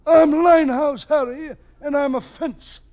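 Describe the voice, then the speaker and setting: An actor playing a detective who poses as an English jewel fence in an old-time radio comedy, with a put-on, mock-genteel voice. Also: male voice, extremely high pitch, fairly even intonation, a little slow. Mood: mock-suave. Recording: muffled, very noisy old radio recording.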